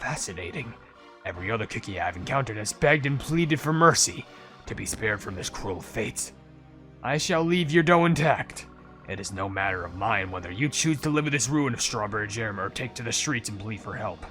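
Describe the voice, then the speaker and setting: Clear music can be heard in the background. Over it comes a put-on character voice. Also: man, medium pitch for a man, fairly quick pace. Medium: fan dub. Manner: formal, imperious, menacing.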